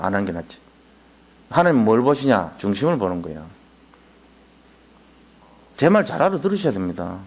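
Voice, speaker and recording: A male pastor preaching a Friday night sermon. He is animated and drops into soft, low asides.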